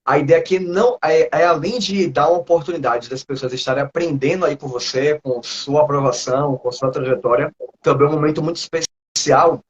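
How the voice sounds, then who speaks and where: A man's voice: a little high, a little fast, lo-fi sound. Chatty Brazilian man on a video call. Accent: Northeastern Brazilian. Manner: relaxed, chatty, laughs often. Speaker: chemistry teacher interviewing a student. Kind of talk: casual video-call interview.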